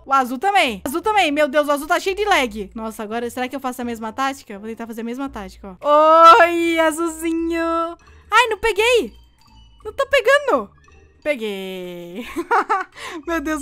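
A young Brazilian woman giving lively gameplay commentary as a video game streamer, exclaiming and laughing often. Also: high-pitched. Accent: Brazilian Portuguese. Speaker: gaming YouTuber.

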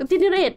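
A young woman hosting a survival game video, chatting to viewers and exclaiming as she explores. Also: sits high. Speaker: game host. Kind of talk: casual Let's Play commentary.

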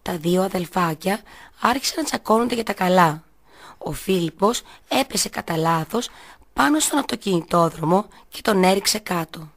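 A woman radio host and kindergarten teacher, reading a children's story in a clear, measured way. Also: lowish voice, lively intonation.

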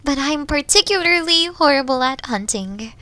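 Woman acting a high-pitched, timid wolf girl. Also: expressive, moderate pace, sharp tone, dry recording. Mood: apologetic, self-deprecating. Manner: hesitant, apologetic, stammering, often dropping to a whisper. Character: shy, starving young wolf girl, meek and grateful. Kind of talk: ASMR roleplay audio drama.

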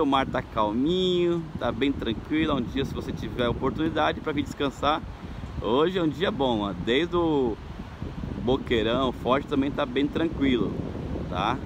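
A man working as a tour guide, chatting upbeat and casual as he films a walk along a beach promenade on his phone. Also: medium pitch. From Brazil. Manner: chatty, upbeat, tags phrases with questions. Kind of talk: casual walking vlog. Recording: outdoor street and beach noise.

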